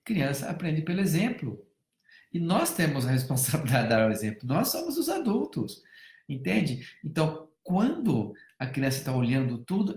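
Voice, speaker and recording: A Brazilian man speaking as a family counselor in a live-stream talk, animated, swinging between loud emphasis and soft hushed tones and acting out bits of dialogue as he tells stories. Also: fairly high pitch, echoey room. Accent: Brazilian Portuguese. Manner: acts out dialogue while telling stories.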